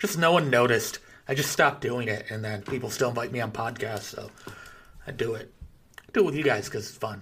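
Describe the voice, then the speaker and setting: Over noticeable background noise, a man at a medium pitch talks at a fairly quick pace, with big swings in loudness, ordinary pitch variation, and long, frequent pauses. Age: 30s. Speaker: comedian. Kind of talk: casual chat. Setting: video call.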